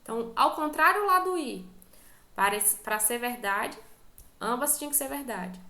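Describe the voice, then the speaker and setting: A Brazilian woman teacher leads an online lecture, high-pitched with a gravelly edge to her voice. She explains patiently step by step and keeps checking that her students are following. The sound has a roomy echo around it. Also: animated, normal speed, sharp tone. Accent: Brazilian Portuguese.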